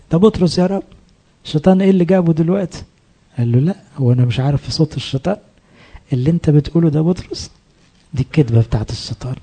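A man with an Egyptian accent preaching a colloquial sermon, lively, often asking his listeners questions and acting out the voices he quotes. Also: on the high side, breathy edge. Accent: Egyptian Arabic. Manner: animated, asks the audience questions, acts out quoted voices. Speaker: priest.

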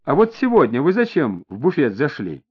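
A firm, level-headed inspector presses a suspect for answers, as a male narrator puts him on. He talks steadily, with a fairly high and lively voice. The audiobook sound is dull and lo-fi. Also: moderate pace, breathy edge, exaggerated voice. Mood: steady, probing. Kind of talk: audiobook character voice.

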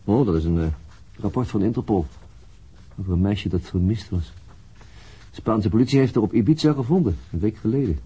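Very husky, low-voiced brooding detective. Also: male voice, lively intonation, warm tone. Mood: subdued. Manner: halting, musing, muttering to himself. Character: brooding, dogged male police detective, weary and self-questioning. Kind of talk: radio drama acting with introspective monologue.

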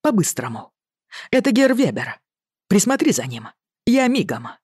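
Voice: mid-range voice, sing-song, moderate pace, slightly rough, no room sound, clean studio sound, pitched above the performer's own voice. The reader voicing a nervous young man in a hurry. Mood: hurried.

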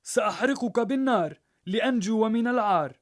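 A man voicing a stingy, middle-aged male perfume seller who shouts in fury, in a told story. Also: a little high, very fast, pitched above the performer's own voice, natural voice. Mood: enraged. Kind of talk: storybook narration.

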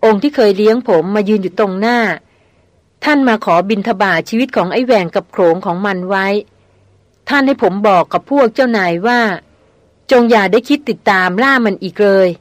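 A woman reading the part of a mysterious young male jungle wanderer, speaking slowly and solemnly in an audiobook. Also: mid-range voice, no room sound, close to an everyday voice. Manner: slow, measured, solemn.

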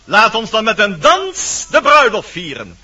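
A man playing a fussy talking forest animal in a radio play, speaking formal verse in a measured, theatrical way. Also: high voice, huge pitch swings, pushed and bright, husky, exaggerated voice. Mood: fussy, courteous. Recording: dull old radio recording, distant from mic.

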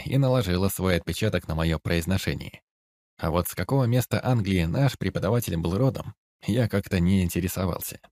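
A man narrating a first-person novel in a steady, even storytelling manner. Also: deep voice, dry recording, studio quality. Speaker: audiobook narrator.

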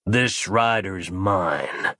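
A man voicing a menacing, folksy frontier sheriff who speaks in a slow, scornful drawl. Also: sits low, bright, forceful tone, no echo, clean studio sound, voice pushed down, full character voice. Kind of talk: audio drama character voice.

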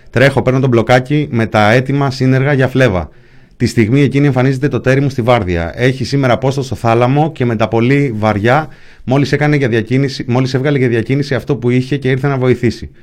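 A man's voice: mid-range voice, a little mellow. A man giving a first-person narration of a hospital shift, speaking in short, clipped present-tense fragments.

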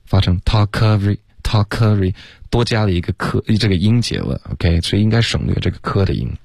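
Deep-voiced man coaching pronunciation. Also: sing-song, creaky, a little mellow, slightly rough, dry recording, studio quality. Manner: corrective, models English words slowly. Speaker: English pronunciation teacher. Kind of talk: radio lesson, correcting callers.

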